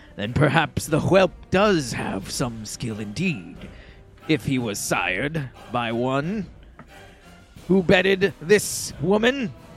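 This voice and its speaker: A man puts on a character voice, pitched fairly high with very wide pitch swings. He speaks very slowly over clear background music. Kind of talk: fantasy villain voice acting. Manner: mocking, menacing, domineering.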